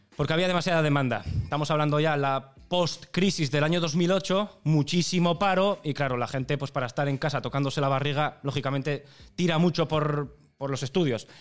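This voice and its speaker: A man speaks in an ordinary speaking voice at a fairly high pitch and a fairly quick pace, with ordinary pitch variation. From Basque Country, Vitoria. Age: 30s. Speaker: cook and online content creator. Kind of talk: interview.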